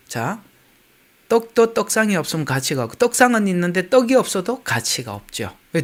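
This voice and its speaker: Older Gyeongsang pastor, higher-pitched man's voice. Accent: Gyeongsang Korean. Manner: chatty, laughing asides with the congregation. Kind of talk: sermon.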